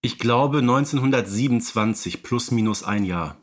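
A man's voice: medium pitch, normal speed. A man in his thirties co-hosting a podcast about radio plays, chatting with enthusiasm and many fillers. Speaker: podcast co-host.

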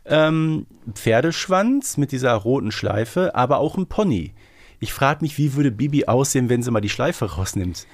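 A man speaks as a podcast co-host in a medium-pitched male voice. He chats in a casual, conversational way. The sound is dry, with hardly any room around the voice. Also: lively intonation, moderate pace, dry recording.

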